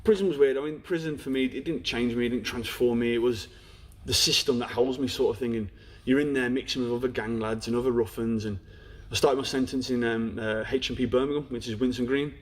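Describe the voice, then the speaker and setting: A young man with a Black Country accent tells his own story in an interview, frank and plain-spoken. He talks fast, rattling through the telling. His pitch sits at an ordinary middle height for a man. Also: steady tone. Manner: frank, storytelling, peppered with "you know". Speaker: interview guest. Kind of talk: candid personal story in a podcast interview.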